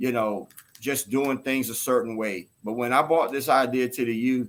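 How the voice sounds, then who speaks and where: A man with a Southern US accent talks with fairly even intonation. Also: medium pitch for a man, moderate pace. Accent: Southern US accent, still noticeable. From US South, North Carolina. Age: 40s. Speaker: actor and writer. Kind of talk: interview. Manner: hesitant, many filler words.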